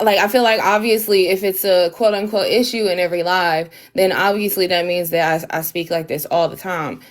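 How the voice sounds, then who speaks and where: A woman with an African American Vernacular English accent argues casually on a live panel. She sounds defensive and halting, often restarting what she says. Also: on the low side.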